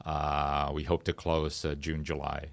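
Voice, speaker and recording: Deep-voiced man explaining, somewhat halting. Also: completely flat delivery, creaky. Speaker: company founder, podcast guest. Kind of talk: explanatory interview talk. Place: podcast studio.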